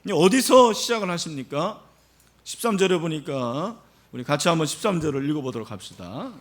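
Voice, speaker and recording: A man's voice: fairly high pitch, big pitch swings, brisk. A middle-aged man preaching a sermon as pastor, explaining the passage and putting questions to the congregation. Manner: explanatory, asks the congregation questions, frequent fillers. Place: church sanctuary.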